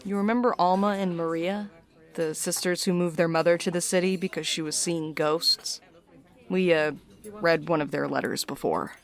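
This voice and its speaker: A woman's voice: on the low side, fairly even intonation, normal speed, natural voice. A woman playing a weary, sardonic mail carrier in a naturalistic audio drama, with a dry, guarded delivery. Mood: weary, uneasy.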